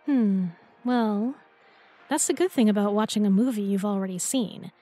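A woman's voice: mid-range voice, normal speed, warm tone, soft background music, lightly acted. A young woman playing an affectionate, teasing new girlfriend in an intimate roleplay audio, with a playful, tender, coaxing manner. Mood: reassuring, affectionate.

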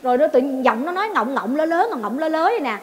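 An actress with a Southern Vietnamese accent playing a bossy, teasing village woman in a stage comedy sketch, scolding quickly and stammering for laughs. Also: sits high, sing-song. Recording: loud live crowd and noise.

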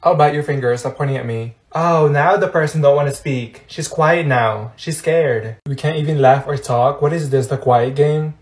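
Casting: man to voice sassy teenage girl, high voice, complaining and dramatic, school comedy. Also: normal speed, hardly any pauses, roomy sound, close to an everyday voice.

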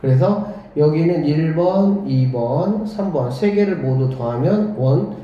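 Man, math teacher, rhetorical questions, dark mellow voice, slightly high pitch. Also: animated, measured pace. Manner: questioning, leads students with rhetorical checks; talks while drawing on the board, murmuring along. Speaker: academy director teaching math. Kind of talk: whiteboard math lesson. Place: classroom. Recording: echoey classroom on a dull lo-fi mic.

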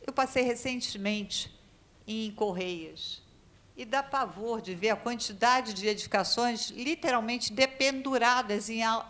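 A woman's voice: fairly high pitch, a bit bright. A woman speaks in a legislative hearing room. She talks in an emphatic, worried way, thinking aloud and restarting sentences. She shivers from the cold as she speaks. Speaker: committee member questioning experts. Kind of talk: spontaneous committee speech.

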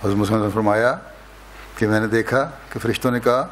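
An older man delivering a slow, measured sermon at a lectern microphone during a mosque opening, pausing often between phrases. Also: lowish voice, fairly even intonation, slight background noise. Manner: slow, measured, solemn delivery with long pauses. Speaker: religious leader giving an address. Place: indoors, mosque hall lectern. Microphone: lectern microphone, close.

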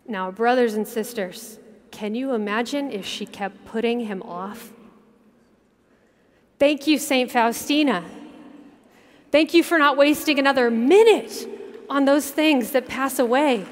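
Earnest woman speaking in a reverberant arena. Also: high-pitched. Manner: measured, earnest, with dramatic pauses and softened storytelling. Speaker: keynote speaker, religious sister. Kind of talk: inspirational keynote speech. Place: large arena stage. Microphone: headset mic at a podium.

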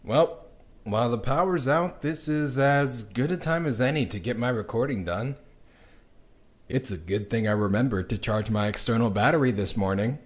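An actor playing a bitter, hopeless man recording a diary in an audio drama, conversational, halting and cynical. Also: mid-range voice, expressive, natural voice. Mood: matter-of-fact.

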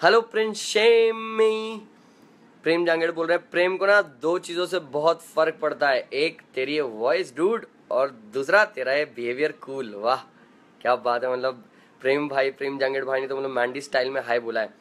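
A man's voice: medium pitch, a little fast, a bit bright. A young man hosting a casual live stream from his room at home, chatting playfully and greeting viewers by name as he reads their comments aloud.

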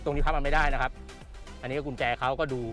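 A man's voice: fairly high pitch, level tone, fast talker, fairly bright tone, faint music behind. Chatty man touring a car at an expo. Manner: chatty, repeats points, ends phrases with polite particles. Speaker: car show presenter. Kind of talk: casual walkaround car tour. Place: busy indoor motor expo hall. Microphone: handheld camera mic, presenter off camera.

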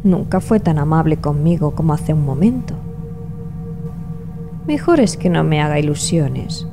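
An actress playing a warm, loyal, adventurous woman in an audio drama, soothing and affectionate. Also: low-pitched, expressive, unhurried, music in the background. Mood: wistful, excited.

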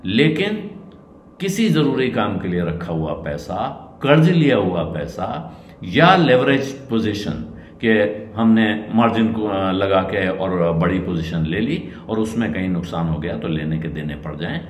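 A middle-aged man, a senior journalist, giving measured market commentary to camera from a room at home. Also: sing-song. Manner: measured explanatory delivery, dropping low at cautions. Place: indoor room with curtains. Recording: roomy echo, faint noise.

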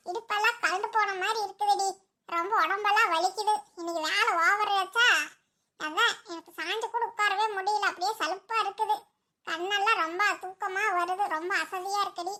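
A woman's voice: very high-pitched, bright, forceful tone. A woman voicing the caring, scolding older women of a village family in a cartoon. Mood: weary chatting. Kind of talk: cartoon voice acting.

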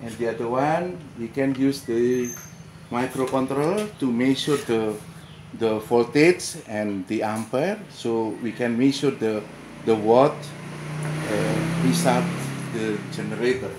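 Older man, slow, halting second-language English. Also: medium pitch, darkish tone, slight background noise. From Indonesia. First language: Indonesian. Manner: hesitant, many fillers and repeated words. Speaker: lecturer giving a lab tour. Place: garden workshop, indoors and outdoors. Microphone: handheld camera close by. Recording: echoey with clear background ambience.

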